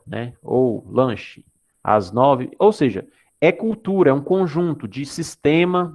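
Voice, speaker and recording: Gravelly-voiced man teaching an online class. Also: mid-range voice. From Goiás, Brazil. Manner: explanatory, checks in with students often. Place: Anápolis, Brazil.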